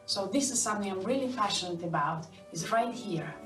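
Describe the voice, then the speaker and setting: A woman's voice: mid-range voice, lively intonation, brisk, fairly bright tone, far from the mic. Woman from Estonia, earnest home video tour, echoey room, recorded from afar, faint music behind. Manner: earnest, slightly non-native phrasing. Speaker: viewer showing her indoor garden. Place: home interior with plants.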